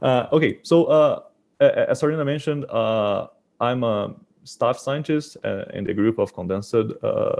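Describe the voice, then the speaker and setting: A man talks at a moderate pace with a strong Brazilian accent. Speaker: physicist giving a colloquium talk. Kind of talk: academic lecture. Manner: hesitant, many fillers and repeated words.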